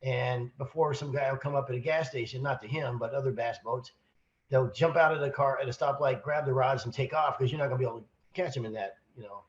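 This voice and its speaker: Hoarse, sick-sounding male co-host, rambling storyteller, mid pitch, slightly dull lo-fi audio. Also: quick pace. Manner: rambling, animated storyteller with restarts. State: hoarse with a cold. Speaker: podcast co-host, sales manager. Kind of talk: casual storytelling chat.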